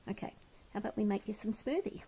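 A woman who rescues and cares for bats, gently talking and often whispering to an animal as she feeds it in a home kitchen, recorded on a head-mounted camera. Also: mid-range voice, fast talker, a little hiss or hum. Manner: soft, coaxing, often whispering. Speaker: bat rescuer and carer. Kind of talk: gentle commentary while feeding an animal.

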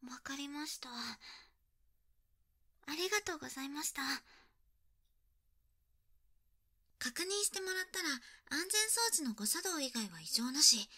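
A voice actress plays a shy, kind young woman with a high, bright voice. She speaks politely and intimately, as in an ASMR roleplay, and often drops into breathy whispers. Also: lively intonation, moderate pace. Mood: relieved, resigned. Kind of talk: Japanese ASMR situation voice acting, intimate.

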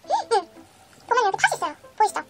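A young adult woman vlogging a mukbang, chatting excitedly to the camera and humming as she tastes food between bites. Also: very high-pitched, rapid-fire. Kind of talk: casual chat while eating on camera. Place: small indoor room, then a busy restaurant. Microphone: camera on the table in front of her. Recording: background music and restaurant chatter.

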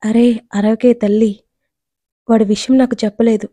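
A woman's voice: on the high side, level tone, normal speed, mellow, no echo, close to an everyday voice. A woman voicing a young office worker brother who pleads and hurries in a storybook reading. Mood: pleading.

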